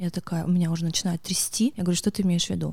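A woman with a medium-pitched, dark, mellow voice speaks very fast, somewhat breathy, with fairly even intonation. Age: 30s. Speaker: divorced mother sharing her story. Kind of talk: casual chat.

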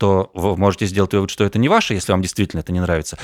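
A man's fairly low-pitched voice, dry and close with no echo. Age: 40s. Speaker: radio host and podcast producer, voice coach. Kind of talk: voice exercise tutorial; casual interview chat. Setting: remote call. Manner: animated.

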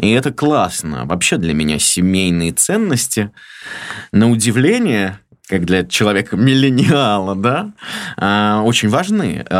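A man speaks very slowly at a fairly low pitch, his loudness very even while his pitch swings very widely. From Russia, Samara. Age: 30s. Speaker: magazine editor, journalist. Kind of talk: interview conversation.

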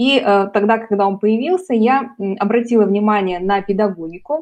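With a dark, mellow tone, a woman speaks at a fairly high pitch with ordinary pitch variation. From Russia, Perm. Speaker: singer and music teacher. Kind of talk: interview.

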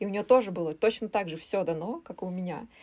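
Here a woman talks at a very fast pace with ordinary pitch variation. Her fairly low voice has a dark, mellow tone. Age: 20s. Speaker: podcast host. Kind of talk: casual interview.

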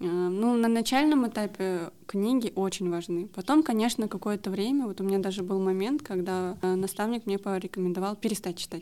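A woman speaks at a moderate pace with an ordinary speaking voice. Her pitch is medium with ordinary pitch variation. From Kazakhstan, Almaty. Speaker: entrepreneur. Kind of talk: interview.

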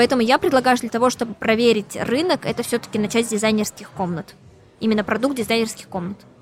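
A woman talks at a very fast pace. Her voice is fairly high-pitched with ordinary pitch variation. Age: 20s. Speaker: startup founder. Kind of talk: business pitch. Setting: restaurant.

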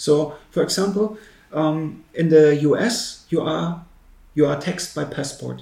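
A man with a German accent talks at a fairly slow pace, his pitch fairly high and his intonation fairly even. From Germany, Hannover. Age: 30s. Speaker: IT consultant. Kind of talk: interview.

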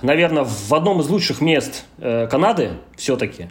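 Very slowly, a man talks in a fairly high pitch. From Russian Far East, Kamchatka. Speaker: emigrant interviewee. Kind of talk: casual interview. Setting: online call. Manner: halting.

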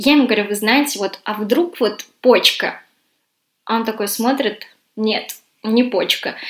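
Her pitch is fairly high, with ordinary pitch variation. The woman speaks at a fairly slow pace with long, frequent pauses. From Russia. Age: 20s. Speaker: immigrant. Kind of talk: casual interview.

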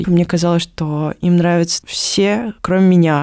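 A woman with a plain, everyday voice talks at a medium pitch with ordinary pitch variation, the sound dry and close with no echo. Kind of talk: casual chat.

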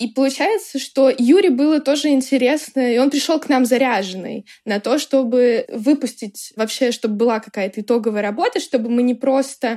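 At a moderate pace, a woman talks in a high pitch with a dark, mellow tone and ordinary pitch variation. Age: young. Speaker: art history student, former museum youth program member. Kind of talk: podcast interview.

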